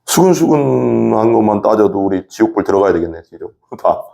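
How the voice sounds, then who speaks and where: This is a male pastor preaching, with a gravelly, creaky voice that swings widely up and down in pitch. He hammers points through repetition and keeps turning to his listeners with questions. He acts out short everyday scenes in other voices along the way. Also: animated, a little fast, mellow. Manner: emphatic, repetitive, acts out examples and asks the congregation questions. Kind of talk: sermon.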